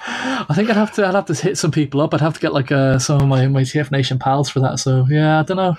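Over noticeable background noise, a man with an Irish accent and a fairly high pitch races along at a very fast pace with hardly any pauses, ordinary pitch variation and very even loudness. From Ireland, Wexford. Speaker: comic book writer. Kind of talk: casual interview.

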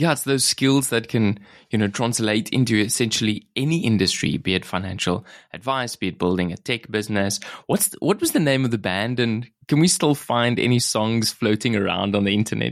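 A man with a South African accent speaks at a fairly quick pace, medium in pitch with ordinary variation. The recording is very clean with a silent background. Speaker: podcast host, financial planner. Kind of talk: podcast interview. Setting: studio.

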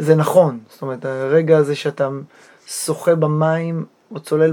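The man speaks at a fairly high pitch. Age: 40s. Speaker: documentary filmmaker. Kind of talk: interview. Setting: in person at his place.

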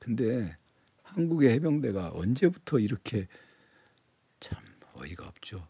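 Very slowly and with long, frequent pauses, a man speaks in a dark, mellow tone with vocal fry, his pitch swinging very widely. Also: medium pitch for a man. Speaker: podcaster and veteran Marine commenting on current affairs. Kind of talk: casual solo monologue. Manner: halting, with frequent self-corrections.

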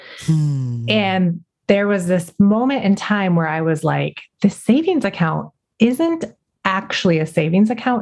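Her tone animated and somewhat breathy, a woman speaks at a moderate pace with medium pitch. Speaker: podcast host and business coach. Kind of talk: casual interview chat.

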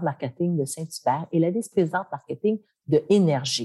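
A woman speaks at a moderate pace with a very deep, low pitch and ordinary pitch variation. Her tone is dark and mellow, and the sound is dry and close with no echo. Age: 50s. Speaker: entrepreneur, company founder. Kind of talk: interview.

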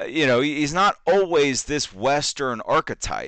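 With an American accent and a bright, sharp tone, a man talks at a fairly slow pace with lively intonation against a quiet background. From Florida, Orlando. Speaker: live streamer and film reviewer. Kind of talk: live stream commentary.

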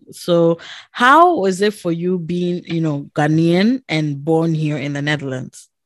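In a normal speaking voice, a woman talks fairly slowly with a fairly low pitch and ordinary pitch variation. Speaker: podcast host. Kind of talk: casual chat.

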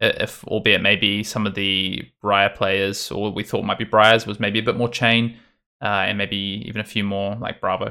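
A man with an Australian accent talks at a moderate pace in a fairly low pitch with monotone, flat intonation. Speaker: card game champion. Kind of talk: casual chat.

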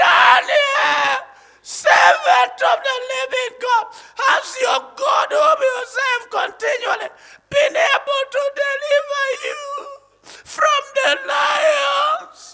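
A put-on character voice, extremely high in pitch and delivered at a very slow pace. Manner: lamenting.

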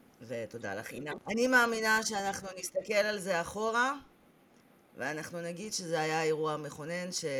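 A fairly low-pitched woman's voice with very wide pitch swings, against noticeable background noise. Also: moderate pace. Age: 40s. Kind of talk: casual chat.

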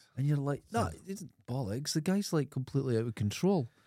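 A man with a Scottish accent speaks at a fairly quick pace, fairly high in pitch and somewhat breathy. His tone is dark and mellow, and the recording is very clean with a silent background. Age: 50s. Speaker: podcast co-host. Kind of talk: casual chat.

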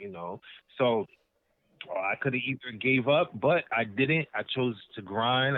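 In a New York accent, a man talks at a moderate pace with a medium pitch and ordinary pitch variation. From Brooklyn, New York (Flatbush), early years in the Caribbean. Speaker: rapper. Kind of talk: interview. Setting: phone call.

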